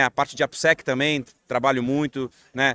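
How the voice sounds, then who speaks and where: A man with a Porto Alegre accent, fairly high pitch and monotone, flat intonation at a moderate pace, in a dry, close sound with no echo. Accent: Porto Alegre accent, kept. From southern Brazil, Porto Alegre. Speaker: security researcher. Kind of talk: casual podcast chat. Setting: studio at a conference.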